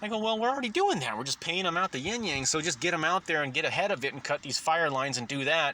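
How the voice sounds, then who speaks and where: This man speaks very fast in an American accent, his bright, sharp tone carrying lively intonation. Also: hardly any pauses. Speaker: political commentator vlogger. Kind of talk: casual monologue. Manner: halting, many fillers; stutter over a word.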